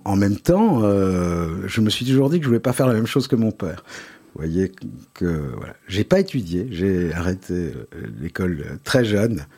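A man's voice: on the low side, darkish tone. A middle-aged man with a Parisian French accent, answering as a radio interview guest in a reflective, hesitant way with trailing asides. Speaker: interview guest, advertising agency head.

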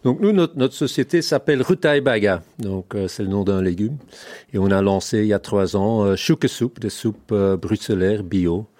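A man from Flanders, a native Dutch speaker with a Flemish accent, describes his company as a guest. His voice sits low and the sound is dry and close. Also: moderate pace, darkish tone, no echo. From Flanders, Belgium. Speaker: guest entrepreneur.

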